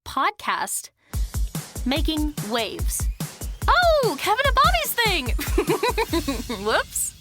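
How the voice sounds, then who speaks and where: Very high, perky woman over loud music. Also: huge pitch swings, extremely slow, long pauses. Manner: perky, mock-bumbling. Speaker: voice artist and producer in a promo spot. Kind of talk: playful scripted podcast promo.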